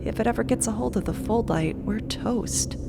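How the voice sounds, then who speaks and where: A woman playing an earnest, self-conscious adventurer in an audio drama, talking in a casual, halting, awkward way. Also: a little high, gravelly. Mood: subdued, worried. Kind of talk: scripted audio drama acting. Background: music.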